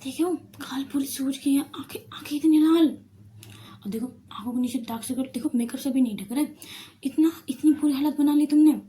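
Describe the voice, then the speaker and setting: A woman's voice: high voice, a little fast, dark tone, close to an everyday voice. A woman voicing a caring, teasing young woman professor who fusses and scolds in a storybook retelling. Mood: fussing.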